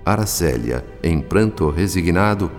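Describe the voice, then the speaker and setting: Deep, solemn radio drama narrator. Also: male voice, animated, unhurried, a little mellow. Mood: reverent. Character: compassionate, solemn male spirit narrator. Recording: long hall reverb, music bed. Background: music.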